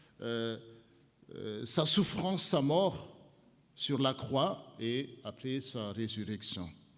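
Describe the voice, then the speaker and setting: Audible room echo surrounds a man of medium pitch who speaks very slowly with long, frequent pauses and lively intonation. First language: Malagasy (speaking French). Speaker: pastor. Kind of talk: sermon. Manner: halting.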